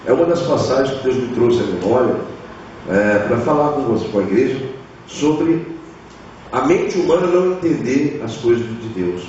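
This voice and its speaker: A man's voice: mid-range voice, expressive, moderate pace, darkish tone, slight background noise. A man pastor preaching a sermon with a Brazilian Portuguese accent, often acting out biblical figures. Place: church hall. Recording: echoey church hall, far mic, dull.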